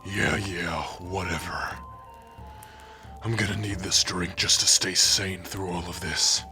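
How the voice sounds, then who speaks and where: A man playing a gruff, defiant orc warrior with a gravelly, raspy voice in an ASMR roleplay, blunt and threatening, protective of a companion. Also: low voice, fairly even intonation, slow, music in the background. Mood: grudging, sullen.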